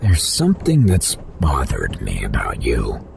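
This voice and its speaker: An actor playing a bitter, injured male captive in an audio horror drama, growling with halting, spiteful hostility. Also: rumbling low, wildly swooping pitch, a little mellow, full character voice. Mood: hostile, goading. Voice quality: gravelly growl. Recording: heavy background noise, clicks.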